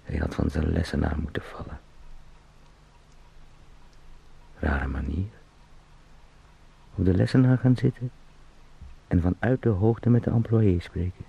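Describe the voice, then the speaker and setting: Deep, gravelly, anxious salesman. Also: lo-fi sound, exaggerated voice. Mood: resentful muttering. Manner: muttering to himself, repetitive, halting. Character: anxious travelling salesman talking himself out of bed. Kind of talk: radio drama monologue.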